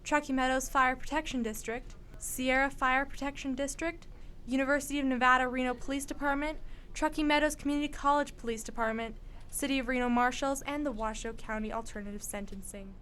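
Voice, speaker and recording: A woman with a fairly high voice narrates a news feature as its reporter. Her delivery is scripted, and there is clear ambient noise behind her. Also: steady tone, fairly quick, a bit bright.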